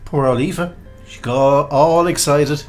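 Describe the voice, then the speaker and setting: A man's voice: fairly high pitch, takes it slowly, soft background music. A man co-hosting a bingo game with short, casual remarks and banter.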